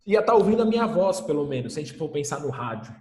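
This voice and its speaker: A man's voice: fairly high pitch, sing-song, quick pace, a little mellow. Male teacher, recorded lecture; emphatic, rhetorical, repeats points; roomy echo. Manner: emphatic, rhetorical questions and repetition. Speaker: history teacher. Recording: echoey room with long reverb.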